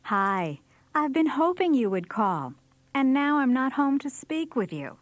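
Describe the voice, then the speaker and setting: A woman's voice: sits high, sing-song, unhurried, no echo. A woman delivering scripted answering machine greetings in a performed way.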